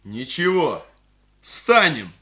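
A crude, brusque young husband. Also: male voice, a little high, big pitch swings, takes it slowly, pushed and bright, exaggerated voice. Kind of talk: Soviet radio play acting.

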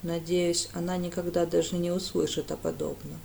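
A woman voicing a gloomy, reserved male priest who speaks coldly and evenly in a lowered voice. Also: a little mellow, slight background noise, natural voice. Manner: cold, measured, low-voiced.

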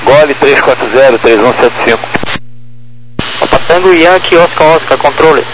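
A man's voice: mid-range voice, normal speed. A man exchanging clipped, procedural aviation messages over a crackly radio. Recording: noisy crackly radio transmission.

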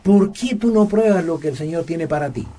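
Man, Bible study co-host, earnest, emphatic, somewhat high, husky. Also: animated, fairly quick, warm tone. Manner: earnest, emphatic, with frequent fillers and repeated words. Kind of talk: conversational Bible study dialogue.

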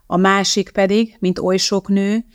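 A woman narrating an audiobook in a measured, even way. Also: medium pitch, no room sound, studio quality.

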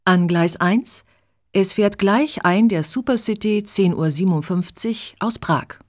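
Measured woman reading a story. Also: mid-range voice. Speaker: audiobook narrator. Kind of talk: scripted narration of a reader story.

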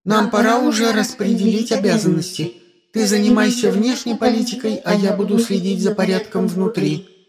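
A man's voice: high-pitched, steady tone, normal speed, over loud music, pitched above the performer's own voice, lightly acted. A man voicing a cheeky, bossy female ship AI. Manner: sassy, bossy.

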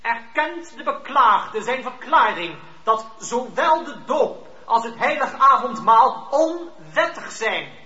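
A man's voice: extremely high pitch, sing-song, slow, hardly any pauses, bright, forceful tone, exaggerated voice. An actor playing a pedantic, indignant clergyman who makes formal, long-winded accusations in a radio drama. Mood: pompous, accusing. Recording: roomy, dull lo-fi radio recording.

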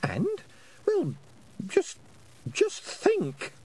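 A man's voice: very high voice, huge pitch swings, extremely slow, a little mellow, pitched above the performer's own voice, full character voice. A man doing a stubborn young girl. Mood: exasperated.

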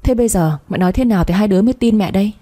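A middle-aged stepmother who sweet-talks and dodges questions, read by a woman storyteller. The voice is dark and husky. It is a spoken storybook telling. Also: mid-range voice, rapid-fire, lightly acted. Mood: defensive. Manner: honeyed, evasive.

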